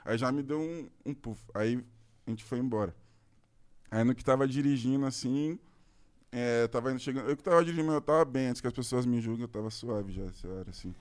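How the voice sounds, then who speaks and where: A man's voice: mid-range voice, fairly quick, darkish tone, clean tone. A man with a Brazilian accent telling a long personal story in casual podcast chat, rambling and full of slangy filler words. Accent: Brazilian Portuguese.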